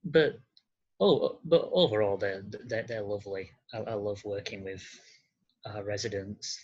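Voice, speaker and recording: A man answering casually as an interview guest, halting and searching for words. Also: on the low side, husky. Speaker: podcast guest, care worker. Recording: slightly dull, lo-fi sound.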